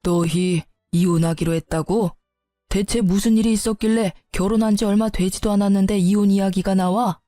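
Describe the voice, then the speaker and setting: A woman's voice: mid-range voice, steady tone, moderate pace, warm tone, no echo, soft background music, close to an everyday voice. A woman voicing a stern, displeased older father-in-law who questions sharply in a storybook narration.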